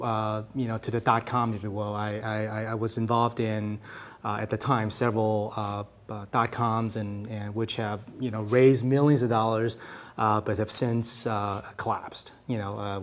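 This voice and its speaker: A man in his forties from Hong Kong, a business owner answering questions in a TV studio interview, speaking with many fillers and restarts. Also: medium pitch. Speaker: franchise owner, interview guest. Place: small TV studio, seated at a table.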